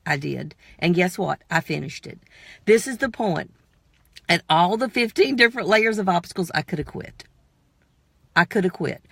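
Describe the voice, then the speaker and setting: A woman's voice: fairly low pitch, lively intonation, moderate pace, vocal fry, fairly bright tone, breathy edge, dry recording. A woman giving a motivational talk in an emphatic, preachy way, repeating phrases and firing questions straight at the listener. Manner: direct address with rhetorical questions. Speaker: motivational speaker.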